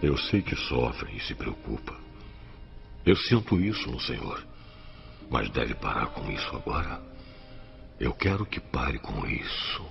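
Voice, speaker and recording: Over clear music in the background, a man with a very deep, low pitch speaks at a fairly slow pace, with very wide pitch swings and long, frequent pauses. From Brazil. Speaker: voice actor. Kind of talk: film dub. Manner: emotional, sad. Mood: sad, weary, tearful. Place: booth.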